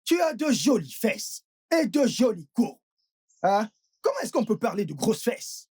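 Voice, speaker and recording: Actress as greedy loudmouth woman, raspy, lively ups and downs, dubbed drama. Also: a little high, measured pace, heavily acted. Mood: mocking. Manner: stammering, squabbling. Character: loud, greedy woman chasing her money.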